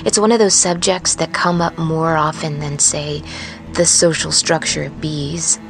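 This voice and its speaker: Lowish female voice, weary haunted trucker, audio drama monologue, hushed and halting, prominent music underneath. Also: fairly even intonation, rough recording. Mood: wry, wistful. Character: weary, haunted woman truck driver, musing and wry. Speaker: narrator of serial fiction podcast. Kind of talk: dramatic first-person audio fiction monologue.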